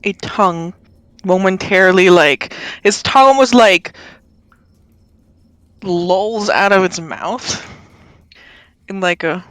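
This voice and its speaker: A woman narrating a tabletop game as game master, descriptive and drawn-out with casual asides. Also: mid-range voice, dry recording.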